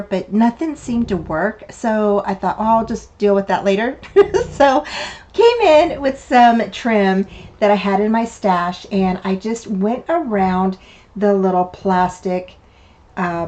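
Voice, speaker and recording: Older woman, slightly hoarse, raspy from a cough, rambling craft narration, mid-pitched. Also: darkish tone, muffled recording. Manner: chatty, meandering, with many fillers and restarts. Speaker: craft channel host. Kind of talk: casual craft tutorial narration.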